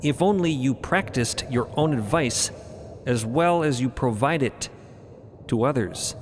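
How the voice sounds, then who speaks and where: Man playing a measured, formal spiritual mentor over background noise. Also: medium pitch, animated, long reverb tail, lightly acted. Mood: calm, admonishing. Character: calm, stern male mentor of a religious order. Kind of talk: audio fiction dialogue.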